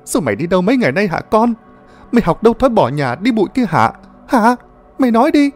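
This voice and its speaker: A man's voice: mid-range voice, very animated, fairly quick, darkish tone, soft background music. A man voicing an older village mother, tearful and scolding over her lost son.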